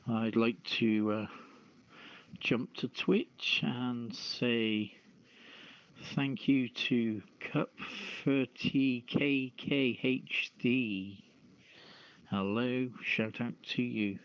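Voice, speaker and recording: A man hosting a casual live radio show with a halting delivery. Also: medium pitch, fairly even intonation. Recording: dull, echoey online radio channel audio.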